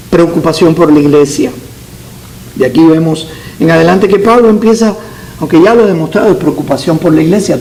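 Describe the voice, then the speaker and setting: Man, born in Cuba, pastor, Bible class, mellow tone, repeats key phrases. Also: on the high side, gravelly, a little hiss or hum, rough recording. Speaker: pastor teaching Sunday school.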